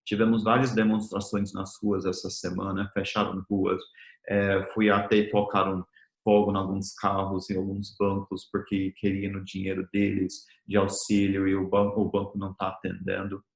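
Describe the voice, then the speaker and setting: A man's voice: sits low, completely flat delivery, normal speed, creaky. A man from the United States with an American accent, preaching a conversational sermon as a missionary in a language that is not his first, often ending his phrases with a tag question. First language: English. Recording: roomy echo.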